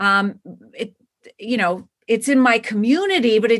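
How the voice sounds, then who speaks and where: Moving at a moderate pace, a woman talks with lively intonation. Her pitch is fairly high. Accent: American. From Chicago, then Connecticut. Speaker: bereaved mother and nonprofit founder. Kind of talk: interview conversation. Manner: hesitant with many fillers.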